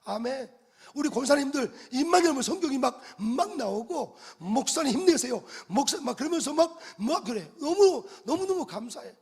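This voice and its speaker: A middle-aged male pastor preaching a sermon, animated, with sudden loud bursts and call-and-response with the congregation. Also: very high voice, normal speed.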